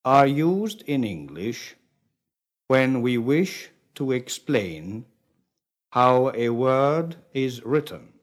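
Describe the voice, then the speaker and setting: Very slow, lively-pitched male course narrator. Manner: slow, deliberate dictation with clear pauses. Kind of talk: scripted instructional reading.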